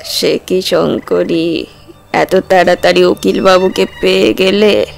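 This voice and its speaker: Slow, creaky ghostly widow. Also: female voice, on the low side, fairly even intonation, slight background noise. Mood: eerie surprise. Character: ghostly burnt widow, eerie expectant mistress of the house.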